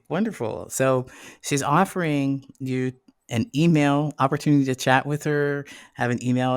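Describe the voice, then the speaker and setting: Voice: mid-range voice, no room sound, clean studio sound. A podcast host chatting casually in an encouraging, upbeat and affirming manner. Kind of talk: casual interview chat.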